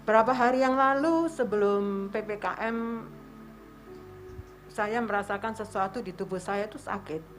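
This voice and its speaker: A woman in her seventies with an East Javanese accent gives a personal testimony at a worship service, acting out her prayers as she tells her story. Her medium-pitched voice moves at a normal speed, with music in the background.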